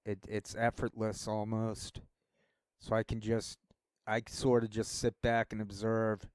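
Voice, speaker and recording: Rambling low-voiced man, dry close sound. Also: completely flat delivery, measured pace, darkish tone, smooth, dry recording. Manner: rambling, meandering talk. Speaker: vlogger. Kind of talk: casual solo monologue.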